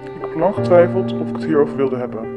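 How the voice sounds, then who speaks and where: Woman playing anonymous girl in her 20s spilling a secret, voice disguised deep and pitch shifted, music going underneath. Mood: confessional. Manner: hesitant, halting confessional. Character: anonymous young woman confessing, hesitant. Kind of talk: confessional documentary interview.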